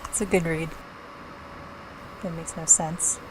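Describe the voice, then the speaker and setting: A woman's voice: sits low, fairly even intonation, takes it slowly, background noise. A woman giving casual, joking commentary on a video game, often laughing. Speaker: let's play commentator.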